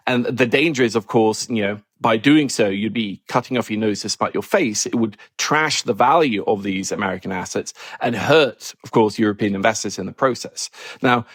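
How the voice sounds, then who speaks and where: A man from Norway with a low voice talks through his answers in a thoughtful, measured way, with a wry edge. The recording is dry and close. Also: no echo. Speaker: journalist and guest. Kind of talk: interview answers.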